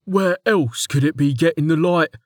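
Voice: medium pitch, moderate pace, a little mellow, no room sound, clean studio sound, voice pushed up, natural voice. Narrator doing a cheeky dim-witted guard. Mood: insistent. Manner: teasing, stubborn conspiracy talk.

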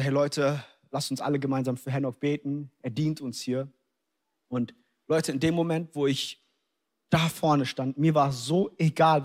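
A young adult man from Germany preaching a sermon, telling a personal story with lively acted-out scenes and English interjections. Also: fairly high pitch.

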